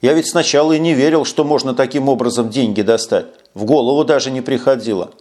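A man reading an audiobook, voicing a friendly, easygoing young comrade in a calm manner. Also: medium pitch, fast talker, natural voice.

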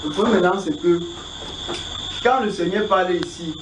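High-voiced man, echoey and distant. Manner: halting, roundabout, repetitive. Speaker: student asking Bible questions. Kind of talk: informal spoken question. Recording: echoey, distant, noisy pickup.

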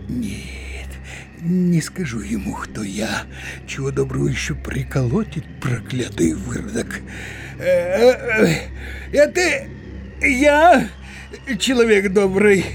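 A man's voice: high-pitched, creaky, a little hiss or hum, exaggerated voice. An actor playing a grumbling, muddled older village man in an audio drama, hesitant and blustering, muttering to himself with many interjections. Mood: nervous, ingratiating. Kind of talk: theatrical audio drama acting.

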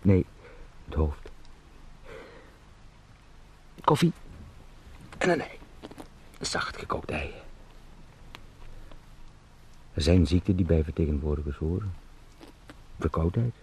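An actor playing an anxious travelling salesman in a radio drama, muttering haltingly and repetitively to himself in a gravelly voice. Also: low voice, lively intonation, a little mellow, slight background noise. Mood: bewildered, rationalizing.

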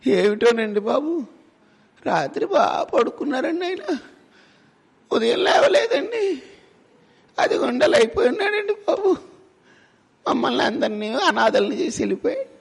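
Wailing shrill widow. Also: male voice, big pitch swings, normal speed, creaky, pauses often, breathy edge, full character voice. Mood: mock wailing. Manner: sob-laughing, whiny, pleading. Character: wailing grieving village widow, overacted sobbing. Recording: long hall reverb.

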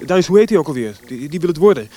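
Higher-voiced young officer. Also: male voice, expressive, racing, dark tone. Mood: indignant admiration. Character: frank, admiring young army officer on leave. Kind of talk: Dutch radio play acting.

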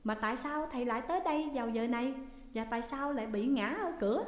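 A woman voicing a frightened, sharp-tongued middle-aged lady of the house in a story. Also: on the high side, fast talker, natural voice. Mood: tense, curt. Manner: tense, raised and curt. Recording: long echoey reverb.

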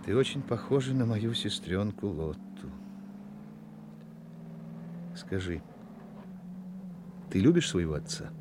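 An actor playing a smug, cunning German army officer in a radio drama, mock-friendly and condescending, used to giving orders. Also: male voice, on the low side, animated, slow pace, long pauses. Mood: cold, persuasive. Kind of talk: Soviet radio drama acting. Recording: noisy old radio drama recording.

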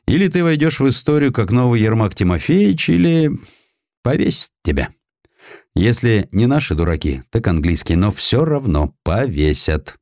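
A man voicing an influential gentleman journalist, frank and commanding, in an audiobook. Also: medium pitch, sing-song, moderate pace, no echo, clean studio sound. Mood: frank, warning. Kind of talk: audiobook character acting.

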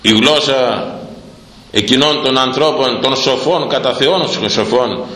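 A man preaching a sermon on Proverbs, impassioned, firing rhetorical questions and rising to shouts. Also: medium pitch, echoey room, poor audio.

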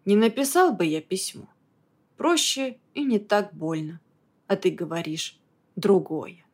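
A woman reading as a hoarse, numb young man. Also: a little slow. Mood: weary. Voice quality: low, hoarse. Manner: flat, tired, subdued. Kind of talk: audiobook character voice.

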